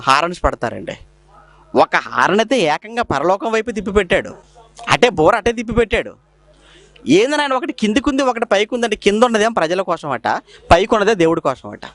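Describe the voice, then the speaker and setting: A man preaching a sermon in a high voice that swoops widely up and down. He poses question after question to his listeners and answers them himself. When he quotes scripture he slows right down and draws the words out. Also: fairly bright tone, dry recording. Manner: quotes scripture slowly and drawn out.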